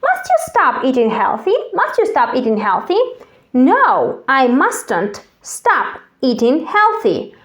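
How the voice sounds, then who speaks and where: A woman from Kazakhstan whose first language is Russian, teaching an English lesson and repeating each phrase slowly and clearly for learners to echo. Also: sits high, wildly swooping pitch, fairly bright tone. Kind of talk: slow drill-style language lesson.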